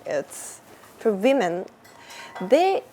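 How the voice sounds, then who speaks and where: Slow-speaking Japanese-accented woman. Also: medium pitch, very animated, warm tone, a little hiss or hum, poor audio. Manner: slow, searching for words, laughs often. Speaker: interviewee, Japanese teacher. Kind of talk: casual interview answers.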